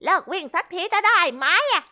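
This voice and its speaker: Tiny squeaky meerkat, rude and snappy, super sharp and bright, swoops all over. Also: female voice, big pitch swings, normal speed, heavily acted. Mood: irritated. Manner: snappy, mocking, yelling. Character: grumpy little meerkat, cranky and rude.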